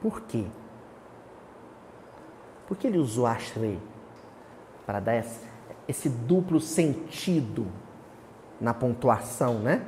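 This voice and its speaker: A Brazilian man leads a study group with a lively, swinging delivery, and his voice trails off into a long hall reverb. He keeps asking his listeners questions before answering them himself, and he recites quoted verses with a dramatic exclamation. A faint hiss sits under the recording. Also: mid-range voice, takes it slowly, long pauses. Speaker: Bible study teacher. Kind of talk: teaching a small study group.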